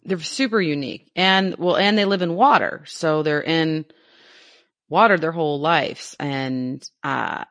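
A woman's voice: deep voice, a bit bright, no room sound. A woman with an American accent co-hosting a podcast, playful and teasing as she talks about animals. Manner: playful, teasing, quick to laugh. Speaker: podcast co-host. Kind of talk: casual educational chat.

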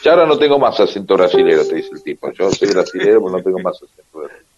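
A man's voice: sits low, big pitch swings, rapid-fire, muffled recording. A man with an Argentine accent hosting a radio show in a wry, joking way. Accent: Argentine Spanish. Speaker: radio host. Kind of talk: casual radio chat.

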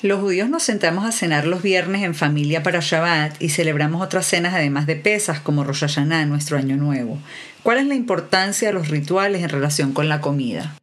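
A woman's voice: low voice, fairly quick. A woman from Venezuela hosting an interview, asking questions in a friendly, lightly joking way. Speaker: interviewer host.

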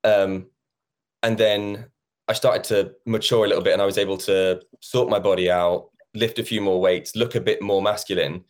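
A man talks in a relaxed, chatty way, slipping into little quoted exchanges as he tells his story. He is in his thirties, and his voice sits on the low side. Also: moderate pace. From England. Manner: chatty, acts out quoted conversations. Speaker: musical theatre actor, guest. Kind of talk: casual interview chat.

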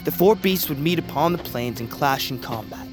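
An actor playing a solemn storyteller of ancient tribal legends, narrating in a portentous, incantatory way for an audio drama. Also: male voice, medium pitch, lively intonation, moderate pace, over music, natural voice. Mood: solemn, ominous. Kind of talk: dramatic scripted myth narration.

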